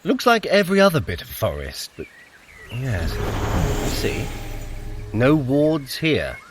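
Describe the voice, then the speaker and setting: Sardonic male trickster god, very animated pitch, dry sarcasm, formal fantasy diction, birdsong background. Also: slow, background noise. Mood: brisk, commanding. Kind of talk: scripted audio fitness adventure drama.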